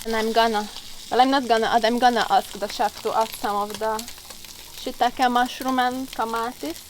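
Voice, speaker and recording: A woman's voice: fairly high pitch, fairly even intonation, normal speed, noisy background. A woman hosting a casual outdoor cooking vlog, chatting and giggly as she explains things. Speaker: vlog host. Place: outdoors on a farm.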